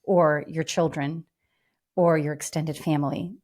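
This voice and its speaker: A woman's voice: low voice, fairly even intonation, measured pace, a little mellow. A woman co-hosting a podcast, talking in a reflective, conversational way. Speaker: podcast co-host.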